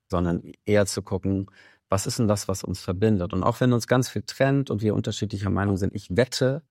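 A man with a very deep voice talks as a musician guest in a radio studio. He speaks in a measured, reflective way and often opens with "also". The sound is dry and close. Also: a little mellow, no room sound. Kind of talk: radio interview.

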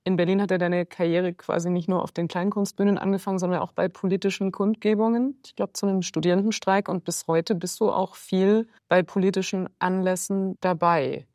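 A woman hosting a radio music interview, asking calm, prepared questions. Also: lowish voice, fairly quick, few pauses, no echo, clean studio sound. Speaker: radio host. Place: radio studio.

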